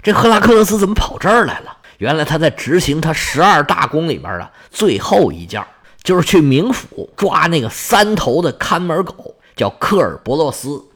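Brief: husky male storyteller, fairly high, swooping delivery, lively and colloquial. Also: moderate pace. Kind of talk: traditional oral storytelling of a myth.

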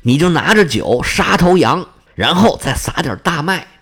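A man's voice: fairly high pitch, animated, normal speed, fairly bright tone, husky, heavily acted. A male storyteller voicing a kindly, humble old village woman in a chatty, homely way.

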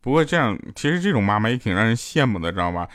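A man's voice: on the low side, very animated, very fast, over music. A man hosting a podcast, telling jokes in a teasing comedy monologue and chuckling through his punchlines. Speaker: podcast host. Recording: loud hiss and clicks.

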